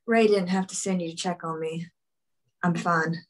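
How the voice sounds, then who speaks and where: A woman's voice: on the low side, fairly even intonation, moderate pace, lightly acted. A woman reading a tough young female gunslinger, wry and guarded, at a table read.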